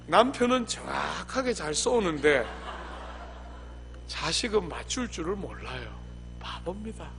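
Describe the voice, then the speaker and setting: High-voiced male pastor preaching. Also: fairly bright tone. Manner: humorous storytelling, rhetorical questions to the congregation. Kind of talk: sermon. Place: church sanctuary. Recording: church hall reverb with faint hum.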